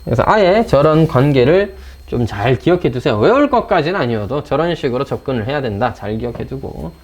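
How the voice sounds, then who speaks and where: A man's voice: mid-range voice, expressive, a little fast. A man teaching a math class, joking and teasing his students as he explains. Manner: teasing, chatty, talks straight to students. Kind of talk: classroom lecture.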